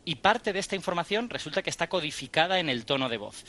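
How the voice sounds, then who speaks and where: A man's voice: a little high, animated, fast, sharp tone. A man on a radio show, explaining a study and quizzing the hosts. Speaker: science guest.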